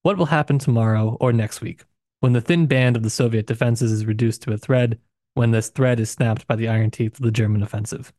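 Man, mid-range pitch, close dry sound, casual book podcast co-host, wry, teasing asides. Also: steady tone, a little fast, mellow, no room sound. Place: recording booth.

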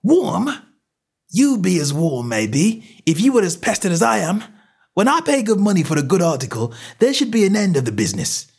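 A man acts out an irascible market trader from a storybook, his voice pitched up and swinging widely. He is cocky and stubborn, snapping his words in blunt, combative colloquial speech. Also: big pitch swings, a little slow, heavily acted. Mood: angry, pestered.

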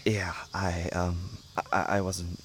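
A man's voice: low voice, flat delivery, slow pace, slight background noise. An actor playing a shy, awkward teenage boy who stammers apologetically and trails off in an audio drama. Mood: flustered, embarrassed.

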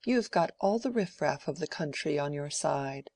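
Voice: mid-range voice, lively intonation, normal speed, a little mellow, dry recording. A reader voicing a jovial, teasing country rector in an audiobook. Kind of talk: audiobook character voice.

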